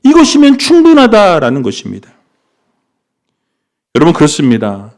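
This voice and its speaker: A male pastor preaching a sermon, rising to impassioned pleas and dropping low for scripture readings. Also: wildly swooping pitch, moderate pace, darkish tone.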